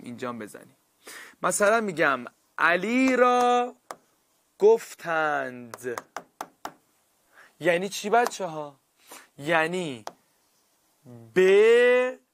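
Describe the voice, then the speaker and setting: A male teacher giving a classroom grammar lesson, stretching key words out slowly for emphasis and checking often that students follow. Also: fairly high pitch, fairly bright tone.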